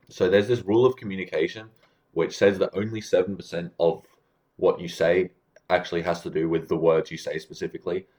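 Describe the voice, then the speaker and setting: A man with a very low voice talks straight to camera, giving laid-back advice on communication. He explains things plainly and keeps checking in with the listener as he goes. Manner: relaxed, explanatory, checks in with "right?". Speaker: communication coach. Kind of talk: casual advice talk to camera.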